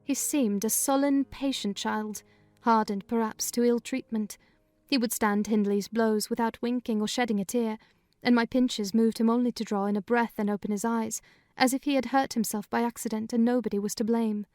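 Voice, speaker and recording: A woman giving a dramatized first-person reading of a classic novel in measured, clear storytelling. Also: on the high side, fairly even intonation, a little mellow, dry recording, faint music behind. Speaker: reader of a novel.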